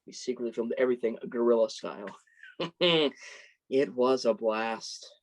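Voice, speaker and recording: A man's voice: medium pitch, normal speed, close to an everyday voice, rough recording. A man playing a wry, sensitive college guy. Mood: fond, amused. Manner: self-deprecating, dry sarcasm. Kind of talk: staged reading of a play, naturalistic dialogue.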